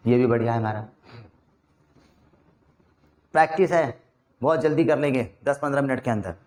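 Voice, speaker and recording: A man teaching spoken English in a classroom, calling out Hindi sentences and their English versions as drills, coughing and clearing his throat often. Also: medium pitch, moderate pace, a little mellow.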